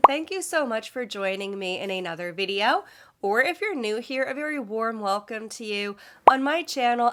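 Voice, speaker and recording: Female vlog host, somewhat high voice, congested and nasal from a cold, scripted and informative. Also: a bit bright. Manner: polished, informative, friendly. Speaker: luxury fashion vlogger.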